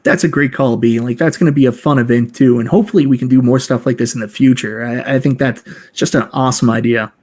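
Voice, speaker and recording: A man's voice: mid-range voice, steady tone, quick pace, few pauses, darkish tone. A man hosting a live online show, upbeat and enthusiastic as he moves between guests. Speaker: show host.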